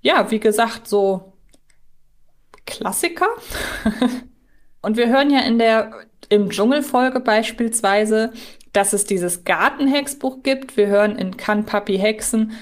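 A woman's voice: fairly high pitch, slow pace, long pauses. A woman co-hosting a fan podcast, explaining details analytically in a conversational way. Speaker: podcast co-host.

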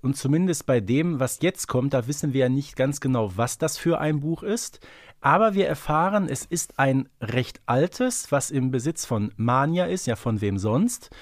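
A man's voice: mid-range voice, animated, normal speed, no room sound, studio quality. A man co-hosting a podcast, thinking aloud and explaining in a casual, analytical discussion. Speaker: podcast co-host. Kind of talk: casual analytical discussion of an audio drama series.

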